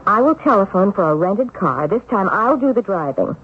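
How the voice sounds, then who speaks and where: An actress playing a practical, sceptical but affectionate wife in a 1970s radio drama, speaking in a firm, wry way. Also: female voice, mid-range voice, sing-song, normal speed, husky. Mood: brisk, firm. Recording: tinny, muffled old radio recording.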